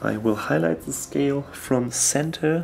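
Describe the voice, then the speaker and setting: A man speaks with a German accent at a very slow pace. Noticeable background noise sits behind him. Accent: non-native English, German. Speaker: miniature painting tutor. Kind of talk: tutorial. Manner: halting, many fillers.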